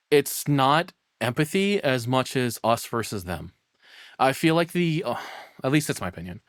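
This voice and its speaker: Male streamer, mid-pitched and closely dry-sounding, rambling through casual, sweary, excitable live reactions. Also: no echo.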